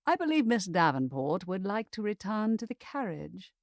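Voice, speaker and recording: A woman voicing a gallant, composed young gentleman with stagey period-drama formality in a romance audiobook. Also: mid-range voice, sing-song, normal speed, no echo, studio quality. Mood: firm, composed. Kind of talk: Regency romance audiobook character acting.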